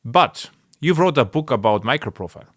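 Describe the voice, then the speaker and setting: A man hosting a casual interview podcast, speaking in a halting way with non-native English phrasing. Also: medium pitch, expressive. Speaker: podcast host.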